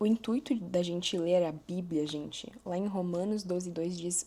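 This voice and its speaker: With fairly even intonation and a moderate pace, a woman talks in a dark, mellow tone. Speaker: lifestyle vlogger. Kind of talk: vlog talk to camera. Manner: soft-spoken.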